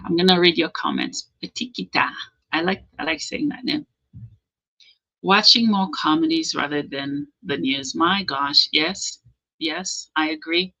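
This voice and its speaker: A woman's voice: fairly low pitch, creaky, pushed and bright, poor audio. A woman hosting a motivational livestream, encouraging her viewers, often checking in with "okay?" and reading out their comments. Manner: reads out and answers viewer comments. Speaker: livestream host.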